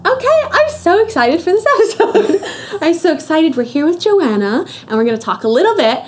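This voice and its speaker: A woman hosting a casual interview podcast, bubbly and excited, with many short backchannel sounds. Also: extremely high pitch, moderate pace, soft background music. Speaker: podcast host.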